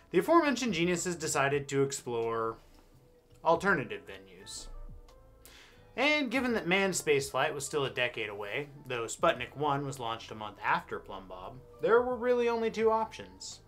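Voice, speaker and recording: An American man in his thirties hosts a scripted history piece with dry, sarcastic wit. His mid-range voice moves around a lot in pitch, over quiet background music. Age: 30s. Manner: wry, deadpan sarcasm. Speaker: host. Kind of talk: scripted comedic history narration. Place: indoor studio with backdrop.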